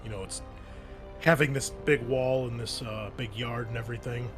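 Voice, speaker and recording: A man's voice: medium pitch, fairly even intonation, moderate pace, a bit bright, faint music behind. A man narrating a tabletop game as game master, explaining things in an informal, improvised way.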